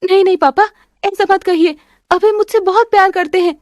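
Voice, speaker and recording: Woman playing a distraught young wife, high voice with big swings, dry booth sound. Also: fairly even intonation, moderate pace, no echo. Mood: pleading. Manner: high, pleading, crying out. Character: tearful young married daughter, distraught. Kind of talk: Hindi family drama voice acting.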